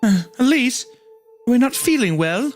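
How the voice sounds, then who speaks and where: A man's voice: very high-pitched, big pitch swings, a little slow, soft background music, pitched above the performer's own voice, exaggerated voice. A man voicing a genteel, fussy, motherly madam of a grand house in an affected, theatrical comic reading. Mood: gracious, chirpy. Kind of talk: comic dramatic reading of a story.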